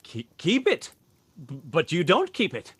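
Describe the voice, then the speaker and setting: An actor playing a cheerful, earnest, warm-hearted nephew in a radio play, speaking with theatrical exclamation. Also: male voice, on the high side, huge pitch swings, a little slow, husky, no echo, heavily acted. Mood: earnest pleading.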